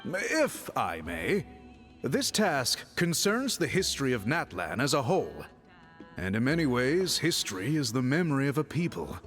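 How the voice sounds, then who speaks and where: Earnest, expressive tribal priest. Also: male voice, medium pitch. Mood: respectful, earnest. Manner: formal, polite, measured wording. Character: earnest, deferential male priest of a tribe. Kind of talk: video game voice acting. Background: background music.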